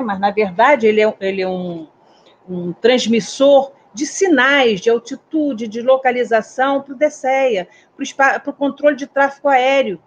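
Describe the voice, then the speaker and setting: Brazilian lady in her 60s, high voice, storytelling, kinda muffled audio. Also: slight background noise. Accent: Brazilian Portuguese. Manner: lively storyteller, asks listeners questions. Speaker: aviation security specialist, guest. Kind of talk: storytelling in a talk. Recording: dull, slightly muffled audio.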